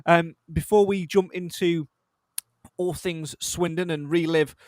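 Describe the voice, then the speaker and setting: A man from the hosts a live football fan podcast over a video call. His voice sits fairly high, and the sound is dry and close. He talks in a chatty, self-deprecating way and often pauses on fillers. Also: fairly even intonation, darkish tone, no room sound. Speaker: podcast host. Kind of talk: casual live podcast hosting.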